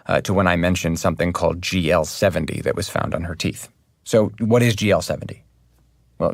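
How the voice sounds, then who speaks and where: An actor playing an earnest investigative journalist, speaking in a measured, conversational true-crime podcast style. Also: male voice, deep voice, vocal fry, no echo, studio quality. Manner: measured, reflective, sober.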